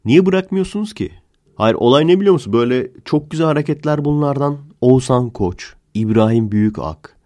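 A man's voice: mid-range voice, animated, a little fast, a little mellow. A man hosting a casual comedic podcast, telling stories in a sarcastic, joking way. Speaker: podcast host.

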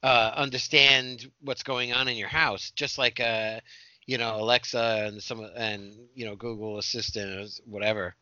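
A man's voice: mid-range voice, little pitch movement, normal speed, sharp tone, no echo, dull audio. A man in casual podcast chat, joking and hesitant with lots of fillers. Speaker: podcast co-host.

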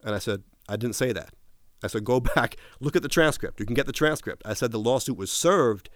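A man's voice: medium pitch, animated, brisk, dry recording, clean studio sound. A man being interviewed, retelling a long story in a casual way, restarting often and quoting what others said. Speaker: interview guest.

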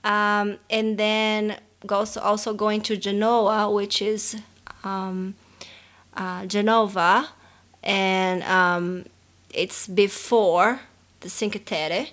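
Slow-talking Brazilian-accented woman in her thirties. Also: mid-range voice, little pitch movement, a bit bright. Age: 30s. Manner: rambling, many restarts and fillers. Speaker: podcast co-host. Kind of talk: casual chat.

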